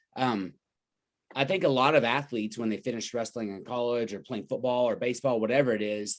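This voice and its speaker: Over a silent background in a very clean recording, a man speaks at a very fast pace with a medium pitch and ordinary pitch variation. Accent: American. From Oklahoma (Pawhuska). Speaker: podcast host, wrestling coach. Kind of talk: podcast interview. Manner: animated.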